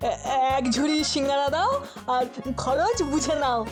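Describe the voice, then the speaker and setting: A woman's voice: high voice, lively intonation, moderate pace. A woman voicing an eager, easily panicked mischievous boy in a comedy cartoon. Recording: music behind the voice.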